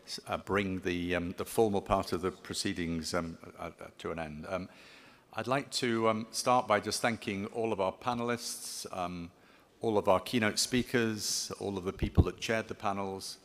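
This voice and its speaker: A man giving closing remarks at a conference, speaking haltingly with many ums and restarts. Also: low voice, fairly even intonation. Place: conference hall. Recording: long reverb of a large hall.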